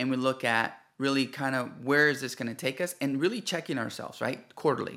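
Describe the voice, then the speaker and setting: With a Spanish accent, a man speaks at a medium pitch with ordinary pitch variation and hardly any pauses. His tone is bright and sharp, on a very clean recording with a silent background. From rural Mexico. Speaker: software company president. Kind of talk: casual interview.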